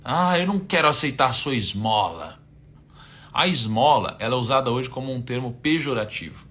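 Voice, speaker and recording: A bright-voiced Brazilian man with a Brazilian Portuguese accent teaches casually on a live stream, mixing faith and finance. His mid-range voice is expressive and moves at a moderate pace. He stays conversational, asking rhetorical questions and quoting scripture.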